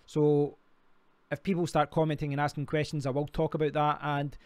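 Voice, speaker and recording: A man's voice: a little high, flat delivery, fairly quick, a little mellow, dry recording. A Scottish man hosting a casual live stream, rambling and talking to himself while clicking through sites. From Scotland. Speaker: crypto livestream host.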